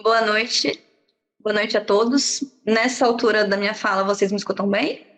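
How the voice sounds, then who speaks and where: A woman medical student with a Brazilian accent reads her own prose piece aloud over a video call, measured and reflective, with pauses between phrases. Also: medium pitch, fairly even intonation, fairly bright tone. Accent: Brazilian Portuguese.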